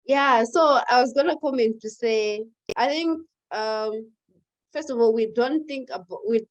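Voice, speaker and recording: A woman's voice: on the high side, measured pace, rough recording. A young adult woman from Malawi, speaking English as an as the guest in an online panel conversation, explaining earnestly with examples. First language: Chichewa or another Malawian language. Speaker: guest activist.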